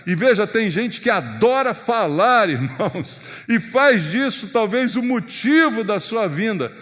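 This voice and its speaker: A man with a Brazilian Portuguese accent preaching a sermon in a church, emphatic and animated, with strong rises and drops for emphasis. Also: sits high, unhurried. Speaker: pastor. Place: church sanctuary. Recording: long church reverb.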